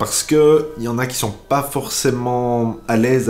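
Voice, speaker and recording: In a Belgian accent, a man talks with ordinary pitch variation, with audible room echo and noticeable background noise. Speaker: tech product reviewer. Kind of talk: product review. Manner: casual, with some hesitations.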